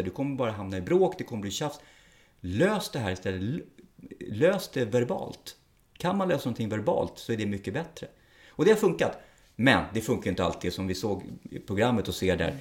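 A man's voice: on the low side, darkish tone. A middle-aged man, a police officer, speaking frankly and bluntly in a casual interview, with the odd curse word. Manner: frank and blunt, plain-spoken with occasional swearing.

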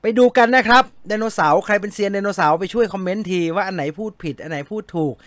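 Chatty high-voiced male movie show host. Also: fast, a bit bright, no echo. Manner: chatty, jokey, polite particles. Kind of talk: casual live-stream chat reading viewer comments.

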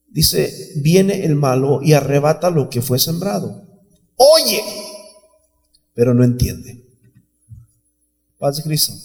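A man's voice: on the high side, a little mellow. A man preaching an informal sermon, talking conversationally and calling listeners brother. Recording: echoey hall, faint music behind.

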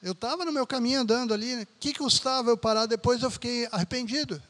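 High-voiced man preaching conversationally. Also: quick pace, fairly bright tone. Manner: conversational preaching with frequent tag questions. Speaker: pastor. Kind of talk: sermon.

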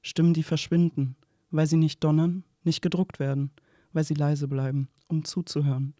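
An actor playing a reflective narrator in a radio play, reading poetic prose in a measured, restrained way. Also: male voice, fairly high pitch, level tone, dark tone, dry recording, studio quality, natural voice.

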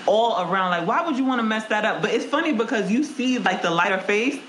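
A woman from Honduras co-hosts a casual chat, speaking fast and animatedly in a medium-pitched, fairly bright voice. Frank and laughing, she tells stories and reads viewer comments aloud. The audio has a roomy echo and faint noise.

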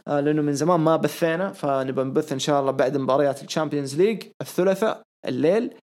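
Hoarse guy hosting a podcast, rattles along quick, voice sits kinda high. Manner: excitable, rambling opinions. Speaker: podcast host. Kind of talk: casual wrestling podcast chat.

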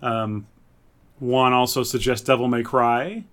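Male podcast host, mid-pitched voice, informal conversational delivery on pop culture. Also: steady tone, unhurried, a bit bright. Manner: reads out listener suggestions and reacts. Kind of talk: casual chat about games and films.

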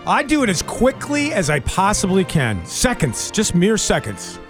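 A man's voice: high voice, wildly swooping pitch, moderate pace, over music. A man who reads the news and banters on a morning radio show, chatty and full of questions. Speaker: radio news reader and co-host.

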